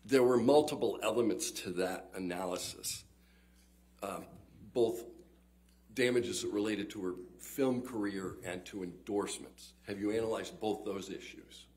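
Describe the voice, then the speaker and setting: A man questioning a witness as a trial attorney, formal and measured, heard in a courtroom recording. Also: on the low side, darkish tone.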